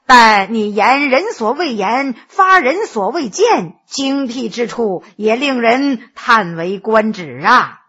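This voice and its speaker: Woman putting on a lower voice for a boastful joking male scholar, bright tone, lively swings, lo-fi sound. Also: slow, hardly any pauses, husky, full character voice. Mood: flattering. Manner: teasing, boastful, many interjections. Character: jovial scheming male scholar, middle-aged.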